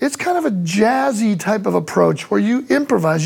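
Noticeable background noise accompanies a man who talks with an American accent at a moderate speed. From US Midwest (Detroit, Michigan). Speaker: drum teacher. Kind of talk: tutorial.

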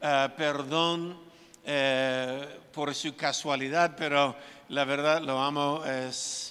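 A man with an English accent speaks at a fairly high pitch in a bright, sharp tone with monotone, flat intonation. His pace is very slow, and the room echo is audible. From US West, California. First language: English (speaking Spanish). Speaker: pastor. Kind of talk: sermon.

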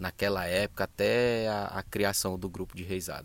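Heard in a very clean recording with a silent background, a normal speaking voice moves at a moderate pace with ordinary pitch variation, the sound dry and close with no echo. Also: man. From Brazil, Maranhão (Caxias). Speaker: folk dance performer and interviewer. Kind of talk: interview.

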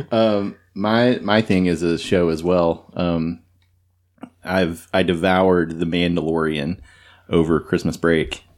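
A man with an Eastern Kentucky accent speaks at a very slow pace with a very deep, low pitch. His loudness is very even, his intonation fairly even, and the recording very clean with a silent background. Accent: Eastern Kentucky Appalachian. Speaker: podcast host. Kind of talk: casual chat.

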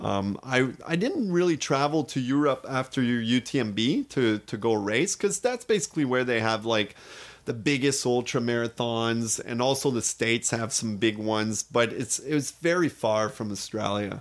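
A man speaks with a French accent at a medium pitch, using ordinary pitch variation. His moderate pace has hardly any pauses, and the recording is very clean with a silent background. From Ottawa area, Canada. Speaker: running and strength coach, ultramarathon runner. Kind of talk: casual interview chat.

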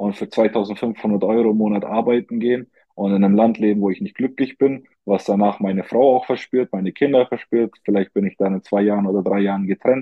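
This man has a normal speaking voice at a fairly low pitch. He talks at a fairly quick pace with fairly even intonation. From Germany, Allgäu (Bavaria). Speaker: real estate consultant and entrepreneur. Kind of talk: interview.

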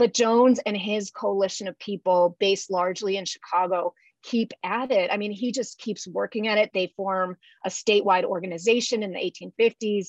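A woman with an American accent has a plain, everyday voice at a medium pitch and a moderate pace. Her intonation is fairly even, and the sound is dry and close with no echo. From US Midwest, Illinois. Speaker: history professor. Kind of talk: lecture-style interview answers.

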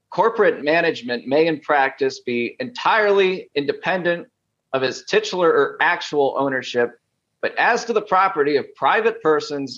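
Using a plain, everyday voice, a man speaks with lively intonation at a moderate pace. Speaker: podcast host interviewer. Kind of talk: casual interview conversation.

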